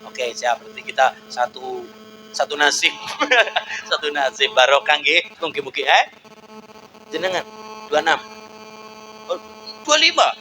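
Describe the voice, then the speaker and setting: A man with a Javanese accent preaching a lively sermon, jumping to high calls and chanting prayers. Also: unhurried, pauses often, a little hiss or hum, low-quality recording. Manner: animated, swings into high shouts, chanted Arabic prayers.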